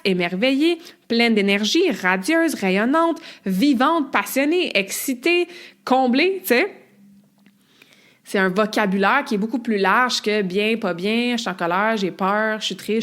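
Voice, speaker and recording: A woman hosting a podcast, talking casually and reeling off long lists of words with frequent filler asides. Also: mid-range voice. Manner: chatty, reels off lists of emotion words, frequent "tu sais". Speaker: podcast host.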